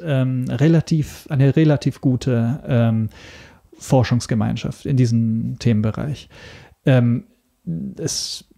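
Very dark, creaky man with Italian accent. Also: mid-range voice. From Italy. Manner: hesitant, searching for words, measured. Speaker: interview guest, media information expert. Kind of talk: explanatory interview talk.

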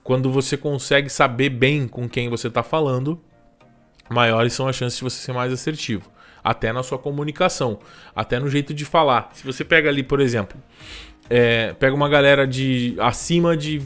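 A man in his thirties with a Brazilian Portuguese accent, giving relaxed, chatty channel advice on a live stream and tossing in quick tag questions. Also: medium pitch, faint music behind. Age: 30s. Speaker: YouTube growth coach hosting a live stream.

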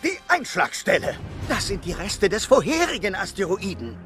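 An actor playing a bossy, sarcastic male weasel adventurer in an audio drama, with a raspy, theatrical voice. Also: sits high, huge pitch swings, moderate pace, a bit bright, faint music behind, exaggerated voice.

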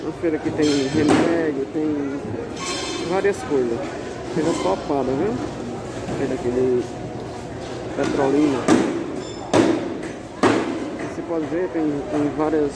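A man's voice: on the high side, takes it slowly, pauses often. A man chatting upbeat through a casual walking vlog at a big covered street market, filmed on a handheld phone. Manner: upbeat, chatty, asks vendors prices. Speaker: vlogger touring a market. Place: large covered open-air street market. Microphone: handheld phone camera. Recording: loud market noise, phone mic.

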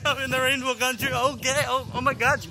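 Excitable Filipino man vlogging outdoors. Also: extremely high pitch, fast, heavy background noise. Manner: excitable, laughs loudly and often. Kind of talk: casual house-tour vlog. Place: outdoors on a hillside estate. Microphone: handheld camera at arm's length.

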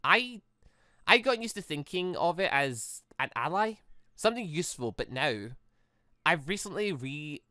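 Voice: mid-range voice, very animated, normal speed, pushed and bright, dry recording, clean studio sound. A gamer voicing an earnest, troubled android girl from a visual novel, hesitant and thoughtful. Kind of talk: visual novel dialogue read aloud.

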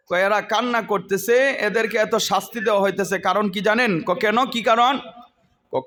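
A man's voice: sits high, bright, forceful tone. A man from Bangladesh preaching a sermon to madrasa students, telling a story and questioning them directly. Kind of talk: Bengali waz sermon.

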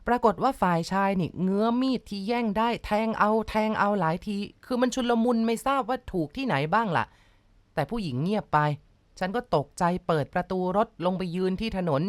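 A woman narrating a ghost story in a measured, dramatic storytelling manner. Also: medium pitch, animated, dry recording.

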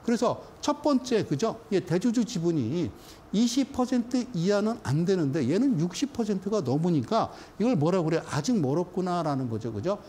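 Man, stock chart lecturer, emphatic, animated delivery, faint background hiss. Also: high voice, normal speed. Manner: emphatic, keeps checking in with the audience. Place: studio.

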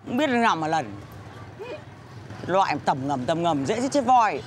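A woman's voice: on the low side, big pitch swings, moderate pace, noisy background. An actress playing a blunt market woman who scolds and comforts her crying friend. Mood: scolding. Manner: bossy, scolding. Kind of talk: TV drama acting.

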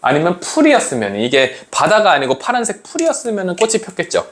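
A male teacher lectures with plenty of energy, asking his students questions and acting out the lines he quotes. His voice sits a little high and rises and falls a great deal. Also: wildly swooping pitch, brisk. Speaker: Korean literature teacher. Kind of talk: lively classroom lecture.

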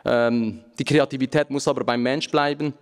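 A man's voice: medium pitch, moderate pace, clean tone. Man lecturing in a reverberant hall. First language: Aramaic. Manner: relaxed, joking asides, frequent filler sounds. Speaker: conference speaker. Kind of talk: conference talk with slides. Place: large conference hall, at a lectern.

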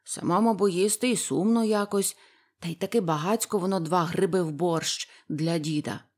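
A woman's voice: on the low side, normal speed, darkish tone, lightly acted. Storybook figure: sly, jolly old male forest spirit with a folksy chuckle; a woman reads it. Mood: pleased.

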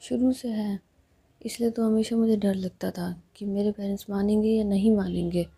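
A woman voicing a devoted, teasing young woman in love, speaking softly and half whispered. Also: medium pitch, fairly even intonation, moderate pace, vocal fry, husky. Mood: affectionate.

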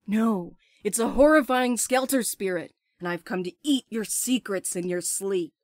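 A woman's voice: medium pitch, a little slow, darkish tone, no echo, clean studio sound, lightly acted. An actress playing a brash, impulsive young woman with crude, sarcastic banter in an audio drama. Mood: playful. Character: brash, playful, impulsive young postal worker friend.

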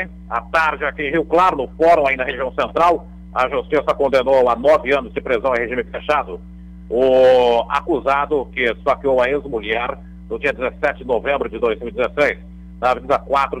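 A middle-aged Brazilian crime reporter reads a police bulletin on the radio in a medium-pitched, slightly bright, husky male voice. He sounds conversational, using fillers and tag questions, and the radio broadcast audio is low quality.

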